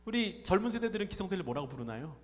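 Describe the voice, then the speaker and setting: Speaking rapid-fire in a high, very animated voice, a pastor gives his Sunday sermon in the sanctuary. He keeps it conversational and asks the congregation questions, and the church hall echoes around him.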